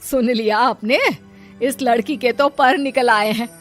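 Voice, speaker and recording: A woman playing a nagging, sharp-tongued mother. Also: a little high, fairly even intonation, measured pace, faint music behind, natural voice. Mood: scolding. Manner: scolding, taunting. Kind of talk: animated story voice acting.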